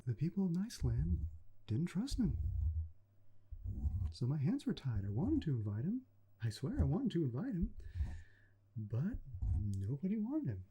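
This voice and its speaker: A man playing an earnest, kindly video game repairman in a soft-spoken ASMR roleplay, gentle, folksy and unhurried, slipping toward a whisper, close to the microphone. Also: fairly high pitch, huge pitch swings, husky, heavily acted, low-quality recording. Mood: wistful storytelling.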